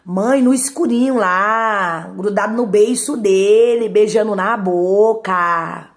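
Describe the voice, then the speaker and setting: A woman voicing her spiteful older sister, who tells tales to their mother in a hushed, gossipy voice. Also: medium pitch, slow, natural voice. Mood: tattling.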